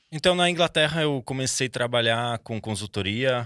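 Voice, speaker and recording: A man speaks with a bright, sharp tone and lively intonation. The sound is dry and close with no echo, in a very clean recording with a silent background. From Slovakia (Bratislava), then Vienna from about 15. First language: Slovak (speaking Portuguese). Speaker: entrepreneur, gin producer. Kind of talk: podcast interview. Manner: hesitant, many fillers.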